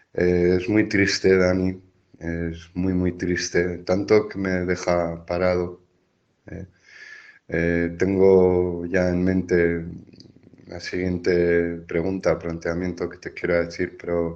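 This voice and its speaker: A man with a Basque accent talks very slowly in a very deep, low monotone. His loudness swings widely. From Spain, Basque Country. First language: Basque (speaking Spanish). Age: 50s. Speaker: radio host. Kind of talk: interview. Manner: halting.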